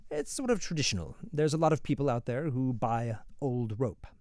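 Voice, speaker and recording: A man's voice: medium pitch, very animated, normal speed, darkish tone, dry recording, studio quality. A man voicing a cheerful, businesslike young hangman who chats politely and keeps saying sir, in a voice raised above his own. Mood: eager. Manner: friendly, businesslike, says "sir" often. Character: cheery young male hangman, eager and chatty.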